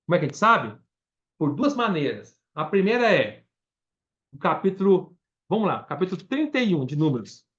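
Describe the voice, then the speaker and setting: High-voiced Brazilian preacher, animated. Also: male voice, normal speed, muffled recording. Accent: Brazilian Portuguese. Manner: animated, repeats words for emphasis. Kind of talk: Bible study sermon.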